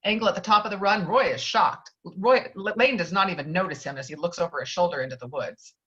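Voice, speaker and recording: A woman's voice: fairly low pitch, quick pace, crowd noise. A woman reading screenplay stage directions as scripted narration, heard through slightly dull online audio.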